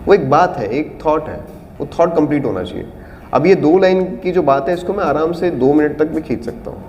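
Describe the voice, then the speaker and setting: A man's voice: fairly high pitch, animated, brisk, darkish tone, highs cut off. A man teaching an acting class, explaining auditions patiently and demonstrating lines in different tones and volumes. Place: acting studio room. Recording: reverberant room with faint background noise.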